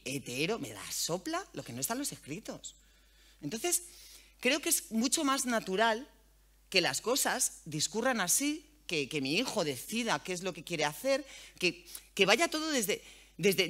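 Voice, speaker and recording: A woman speaks to a hall audience in a candid, slangy way. Her tone is bright and her pitch leaps about with energy. She talks like a seasoned radio host. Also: normal speed. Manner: frank, colloquial and animated, swears freely. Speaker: journalist and radio host giving a talk. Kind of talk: lively public talk to an audience. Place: event hall.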